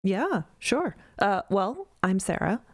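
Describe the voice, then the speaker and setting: A woman's voice: mid-range voice, big pitch swings, takes it slowly, dry recording, studio quality. A woman co-creator talking casually on a podcast panel, modest and thoughtful, with a light laugh in her talk. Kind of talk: casual roundtable chat.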